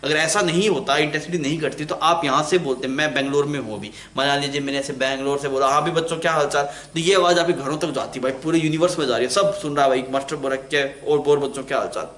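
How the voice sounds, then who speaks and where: A man's voice: a little high, fast, hardly any pauses, a bit bright, a little hiss or hum. A man teaching physics in an online lecture, chatty, asking the class questions and answering them himself. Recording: echoey room.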